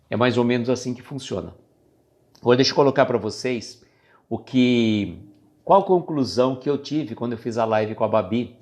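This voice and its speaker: Addressing people watching his live stream, a man with a Brazilian Portuguese accent shares a laid-back spiritual reflection in a darkish tone. His pitch is middling, and he rambles conversationally, now and then forgetting where he was going.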